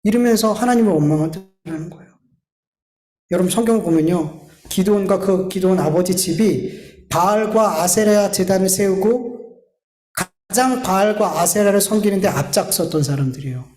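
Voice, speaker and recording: A man's voice: high-pitched, normal speed, a little mellow, slight background noise. A man preaching a sermon as a pastor, earnest and pleading, often turning to address his congregation directly. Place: church sanctuary. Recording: echoey church hall.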